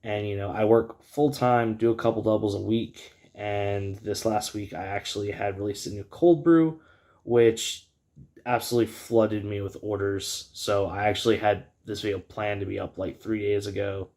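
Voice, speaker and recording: Man, raspy scratchy voice, heavy vocal fry, casual tutorial chat, halting, filler-heavy. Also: fairly low pitch, fairly even intonation, darkish tone. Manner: rambling, hesitant, filler-heavy. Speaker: host of a card game video channel.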